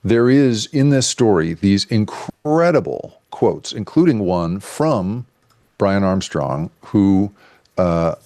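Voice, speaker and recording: Low-voiced man telling a story. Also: no echo. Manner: animated, halting with restarts and fillers. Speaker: guest journalist. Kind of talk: casual storytelling interview.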